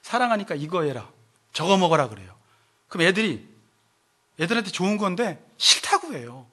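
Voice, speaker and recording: A male pastor preaching in a church with a very high, bright and sharp voice. He talks animatedly and acts out the voices he quotes. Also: sing-song, moderate pace. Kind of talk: sermon. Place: church sanctuary.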